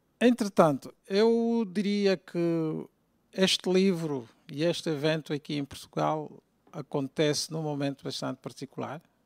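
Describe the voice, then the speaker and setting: Against a quiet background, a man talks at a fairly slow pace with a fairly high pitch, and the sound is dry with no echo. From Angola. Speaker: author. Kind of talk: formal book presentation speech. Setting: auditorium, also streamed online. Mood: reflective, personal, somber moments. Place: hall. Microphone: handheld.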